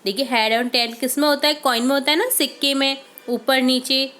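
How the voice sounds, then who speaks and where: A woman teacher with an Indian accent, reading English instructions slowly and explaining each step in Hindi. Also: high-pitched, fairly even intonation, bright, forceful tone. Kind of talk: workbook solution lesson.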